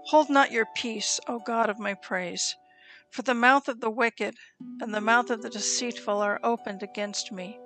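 A woman giving a slow, solemn reading of scripture, with deliberate pauses between phrases. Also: fairly high pitch, fairly even intonation, low-quality recording. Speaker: scripture reader. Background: soft instrumental music.

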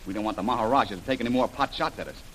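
A man's voice: on the low side, rapid-fire, a bit bright, slight background noise, close to an everyday voice. An actor playing a bold, confident male jungle adventurer who takes charge in an old radio serial.

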